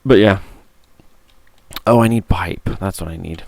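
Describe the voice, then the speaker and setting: A tired, hoarse man with a gruff, rough voice streaming a game, chatting and muttering to himself on a close mic. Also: sits low, unhurried, dry recording. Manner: mutters to himself while playing. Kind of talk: casual gameplay stream chat. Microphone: close studio mic.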